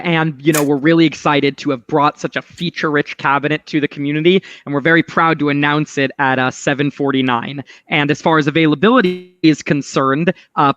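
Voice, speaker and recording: A man speaking for a company, announcing a product in a polished, measured corporate way over a remote connection. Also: a little high, a bit bright, lo-fi sound, slight background noise. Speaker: company representative.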